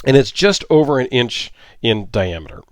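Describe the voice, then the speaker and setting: A man's voice: medium pitch, very animated, moderate pace, no echo, studio quality. A middle-aged man giving a casual, rambling gear review on his channel, with many ums and restarts. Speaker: YouTube reviewer.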